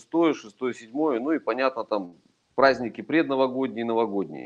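A man is speaking at a fairly slow pace. His pitch varies in an ordinary way. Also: quiet background. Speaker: real estate agent. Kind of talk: expert interview in webinar. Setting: video call. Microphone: video call.

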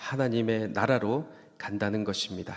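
A man's fairly slow speech sits at a medium pitch with ordinary pitch variation. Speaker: preacher. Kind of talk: sermon. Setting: church. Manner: hesitant with frequent fillers.

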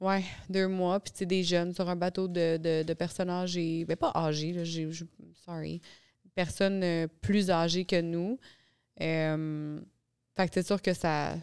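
Over a quiet background, a woman speaks very slowly in a fairly low, monotone, flat voice with long, frequent pauses. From Quebec. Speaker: former inmate; podcast guest. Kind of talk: casual interview. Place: studio. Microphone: studio mic.

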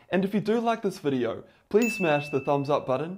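Against light background noise, a man speaks at a fairly quick pace with lively intonation. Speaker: presenter. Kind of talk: explainer commentary. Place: studio. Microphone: lapel.

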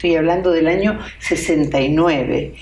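A woman's very deep, low voice at a fairly slow pace, with audible room echo and noticeable background noise. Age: 70s. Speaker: author and family counselor. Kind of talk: TV interview talk.

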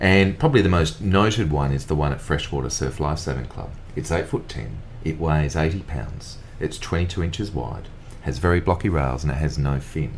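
With audible room echo, a man in an Australian accent talks at a moderate pace with a very deep, low pitch. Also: ordinary pitch variation. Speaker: surfer. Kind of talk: podcast interview. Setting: studio.

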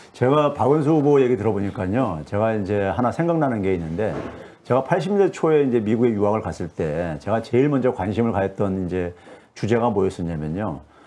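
A fairly quick pace with lively, bouncing intonation. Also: man, fairly low pitch for a man. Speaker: professor and party co-leader hosting the show. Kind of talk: political interview talk show. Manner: halting, many filler words. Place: studio. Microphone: lapel.

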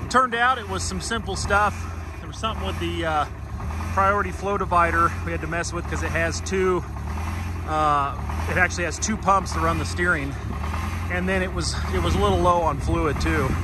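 Fairly quick speech with noticeable background noise and a dry sound with no echo. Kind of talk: casual vlog chat. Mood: relaxed, upbeat. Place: open country. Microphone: phone near.

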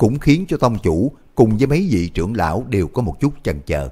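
Dark and mellow, a man's voice is somewhat breathy. He talks at a fairly slow pace with very wide pitch swings. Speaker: audiobook narrator. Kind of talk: audiobook novel reading. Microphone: studio mic.

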